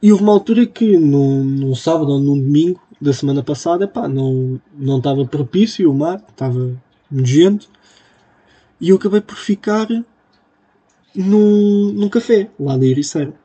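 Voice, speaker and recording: A young man with a European Portuguese accent hosts a casual solo podcast from a room at home, recording on a computer mic. His voice is a little high, mellow and husky, at a normal speed. He rambles, pokes fun at himself, and fills his talk with fillers.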